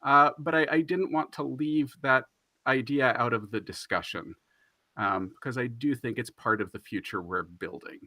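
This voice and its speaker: A man's voice: medium pitch, moderate pace, bright, forceful tone, no echo. A man moderating a panel discussion, introducing guests and choosing his words carefully with some hesitation.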